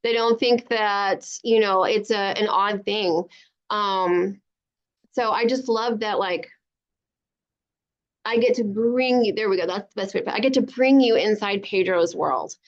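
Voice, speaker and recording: A woman speaks as a children's author to a young audience on a live online event. Her voice sits at a medium pitch and her manner is encouraging, with simple wording. The sound is a little muffled, as on a video call. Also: measured pace. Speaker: children's book author, guest.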